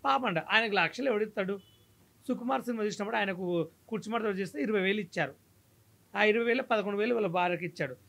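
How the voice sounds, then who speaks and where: A man's voice: high-pitched, quick pace, gravelly, a bit bright. A man, telling an aggrieved, scornful story in an interview.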